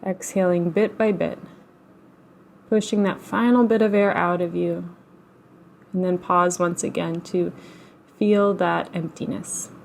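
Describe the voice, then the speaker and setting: A woman leading a guided relaxation as a meditation teacher, speaking in a gentle, unhurried, soothing way with long pauses. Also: fairly low pitch, steady tone, vocal fry, a little hiss or hum. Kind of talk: guided meditation, slow instruction.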